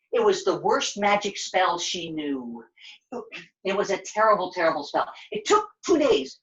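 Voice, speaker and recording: A woman puppeteer telling a children's story live, with dramatic emphasis and deliberate repetition. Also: on the low side, lo-fi sound.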